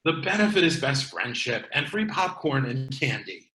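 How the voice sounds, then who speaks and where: A man's voice: mid-range voice, very animated, normal speed, sharp tone. A man playing a goofy, pun-loving, sincere repair-shop boss in a comedy table read, theatrical and jokey. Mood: defensive, earnest. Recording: echoey room sound.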